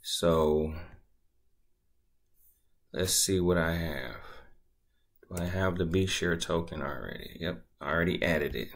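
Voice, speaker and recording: Deep, slow-talking man explaining a tutorial. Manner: laid-back, conversational, thinking aloud. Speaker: crypto tutorial creator. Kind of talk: casual screen-recorded tutorial.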